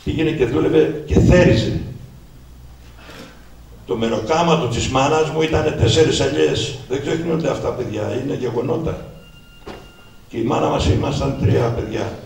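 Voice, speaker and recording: Author in his sixties recounting his past to an audience, talking to them directly, with a gravelly voice, recorded from afar in a reverberant hall with faint background noise. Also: mid-range voice, long pauses, darkish tone. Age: 60s. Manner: anecdotal, addresses listeners directly and acts out old dialogues. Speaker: author presenting his book. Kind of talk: personal storytelling to an audience. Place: event hall at a book presentation. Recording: echoey hall, distant mic, faint noise.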